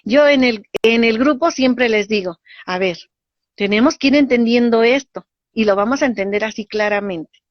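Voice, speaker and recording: A woman, a spiritual teacher explaining ideas in a lively way and acting out little dialogues. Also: a little high, moderate pace, dry recording. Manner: animated, acts out voices in dialogue. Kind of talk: teaching talk. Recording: dull lo-fi dry sound.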